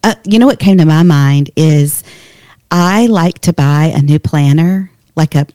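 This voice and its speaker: Low, mellow-voiced woman in casual chat. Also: unhurried, no echo, studio quality. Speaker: podcast guest.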